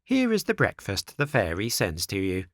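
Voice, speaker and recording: A man voicing a large female snail in a storybook, calm, peaceful and never in a hurry. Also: on the low side, moderate pace, no room sound, clean studio sound. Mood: calm, patient. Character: large female snail servant, calm, slow, unhurried, motherly.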